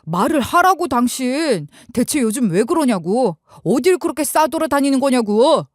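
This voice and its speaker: A suspicious middle-aged husband presses with sharp, demanding questions, as a woman narrator puts him on. The delivery is raised and forceful, recorded dry and close. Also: high-pitched, big pitch swings, moderate pace, no echo, voice pushed up. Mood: irritated. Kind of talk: scripted audiobook dialogue.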